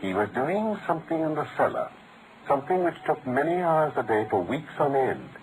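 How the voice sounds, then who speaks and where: An actor playing a brilliant, world-weary British gentleman detective in an articulate, theatrical old-time radio drama style. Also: fairly high pitch, big pitch swings, moderate pace, slight background noise, rough recording. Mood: precise, deductive. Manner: articulate, theatrical, explanatory delivery.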